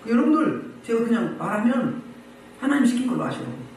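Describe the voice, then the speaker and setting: A male pastor preaching a sermon in an emphatic, lively way, firing off rhetorical questions to the congregation. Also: very high voice, a little fast, far from the mic. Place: church meeting room. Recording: very echoey room, voice from afar, faint noise.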